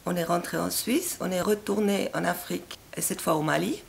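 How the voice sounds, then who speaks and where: A woman in her sixties with a Swiss French accent, calmly recounting her life in an interview. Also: fairly low pitch, moderate pace, gravelly, a little hiss or hum. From Switzerland. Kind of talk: personal interview.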